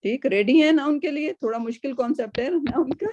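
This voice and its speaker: A woman's voice: sits high, darkish tone, no echo. A woman teaching a Quran class over a video call, explaining patiently and often checking in with her students.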